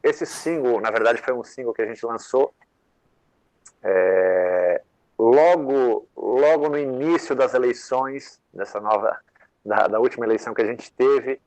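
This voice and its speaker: A man's voice: medium pitch, unhurried, a little mellow, dry recording, poor audio. Rambling man on a dry video call. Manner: rambling, many fillers, conversational. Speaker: songwriter guest. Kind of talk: casual interview talk.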